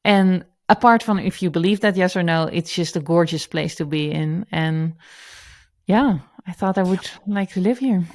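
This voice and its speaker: A woman's voice: fairly low pitch, normal speed. A woman in her thirties with a strong Dutch accent, talking casually as an interview guest over a video call, chatty and often restarting her sentences. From Netherlands. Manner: chatty, self-correcting, laughs easily. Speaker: guest entrepreneur.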